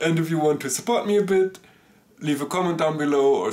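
A man speaks with a German accent over noticeable background noise. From Germany. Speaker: hobby blacksmith YouTuber. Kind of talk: voice-over narration of own video. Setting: recorded voice-over. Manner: hesitant, with fillers and laughs.

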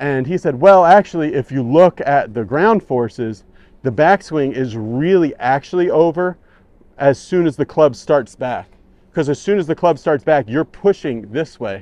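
In an unremarkable speaking voice, a man talks at a moderate pace with lively intonation and a fairly high pitch, the sound dry with no echo. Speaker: golf video host. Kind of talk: casual chat. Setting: outdoors. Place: open country.

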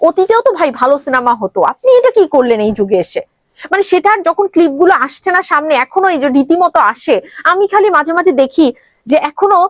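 A woman's extremely high voice moves through very wide pitch swings at very even loudness, with a dry, close sound and no echo. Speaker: vlogger. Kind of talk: opinion vlog commentary. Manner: animated.

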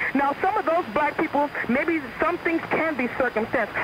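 A woman with an American accent, high in pitch, with lively intonation at a moderate pace over noticeable background noise. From Compton, California. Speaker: caller. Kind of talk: heated debate. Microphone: phone line.

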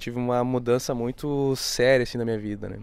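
A man is speaking. The sound is dry, with no echo. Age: 30s. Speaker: employment agency worker; interview guest. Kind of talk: casual interview chat. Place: garden. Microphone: handheld.

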